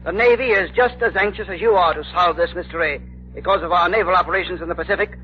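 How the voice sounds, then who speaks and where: An actor playing a formal, authoritative Navy admiral in a 1930s radio drama. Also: male voice, high-pitched, fast talker, soft background music, lightly acted. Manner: formal, official. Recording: dull old radio broadcast.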